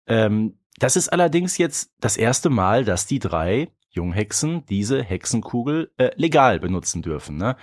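A man's voice: lowish voice, sing-song, a little slow, few pauses, no room sound, clean studio sound. A man co-hosting a podcast in casual, colloquial chat, often tagging questions onto his remarks. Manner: colloquial, seeks agreement with tag questions. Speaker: podcast co-host. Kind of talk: casual chat reviewing a story.

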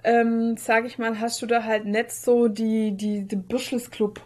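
A woman's voice: fairly high pitch, level tone, a little slow, a little mellow. A woman chatting casually and eagerly as a podcast co-host, often jumping in.

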